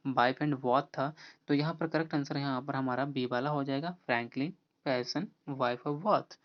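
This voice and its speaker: An exam-prep teacher who reads quiz questions slowly and explains the answers in a casual, repetitive way. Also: medium pitch, highs cut off. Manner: repeats "okay friend" and the answer option often. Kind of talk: online exam-prep lesson.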